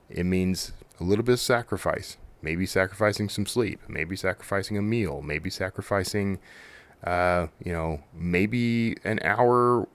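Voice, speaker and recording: A man hosting a podcast, talking in a casual, conversational monologue that wanders into asides. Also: on the low side. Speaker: podcast host; author.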